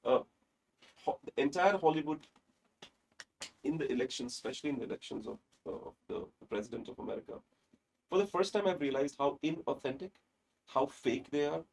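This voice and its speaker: A man hosts a casual interview, his voice gravelly and slightly high. He speaks earnestly and emotionally, pausing now and then to search for a word. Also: darkish tone, poor audio. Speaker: podcast host.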